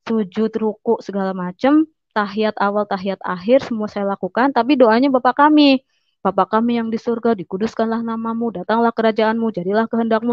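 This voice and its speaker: A woman with a fairly high voice tells her own story as a personal testimony. She speaks earnestly, stumbling and repeating words as she gathers her thoughts. The sound is dull and very dry. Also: darkish tone, no echo. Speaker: convert giving testimony.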